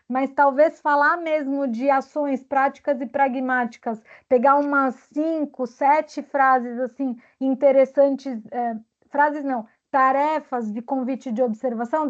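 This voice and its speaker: A woman coach talking casually in an online meeting, thoughtful and searching for words. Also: high-pitched. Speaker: guest speaker and coach. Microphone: video call. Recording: dull lo-fi video call audio.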